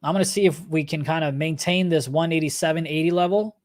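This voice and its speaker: A man's voice: fairly high pitch, quick pace. A man hosting a livestream, giving casual, conversational chart commentary and talking directly to his viewers. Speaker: livestream host and stock trader. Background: background music.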